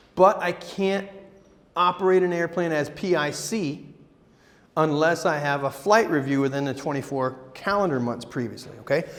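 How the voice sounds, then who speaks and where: A man at a fairly high pitch, moderate pace and ordinary pitch variation, with audible room echo. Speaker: flight instructor. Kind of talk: lecture.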